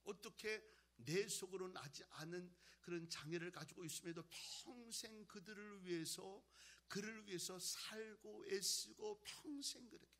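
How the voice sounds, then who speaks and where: A male pastor preaching a sermon, moving between loud exhortation and quiet, conversational storytelling. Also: high voice, a little slow, hardly any pauses.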